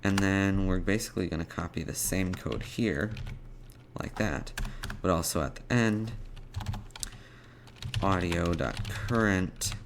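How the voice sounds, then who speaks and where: Low-voiced man slowly talking through code. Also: background noise. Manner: halting, murmuring code aloud as types. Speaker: coding tutorial presenter. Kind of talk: unscripted screen-share programming tutorial, thinking aloud.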